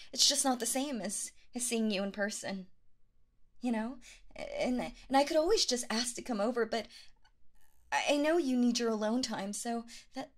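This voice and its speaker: A woman's voice: a little high, natural voice. Woman voicing a stammering, clingy yandere girlfriend. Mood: stammering sweet.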